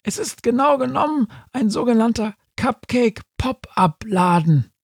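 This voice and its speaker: Bleating pedantic sheep. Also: male voice, very high voice, animated, slightly rough, dry recording, studio quality, voice pushed up, exaggerated voice. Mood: indignant. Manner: bleats, nitpicks, rants fast.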